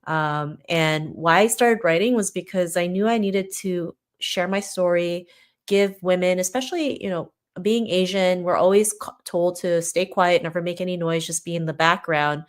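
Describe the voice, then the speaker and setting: On a podcast, an author guest from Toronto, Canada, originally from the Philippines and not a native English speaker, offers casual, motivational conversation. Her fairly low voice is clear and resonant, at a moderate pace.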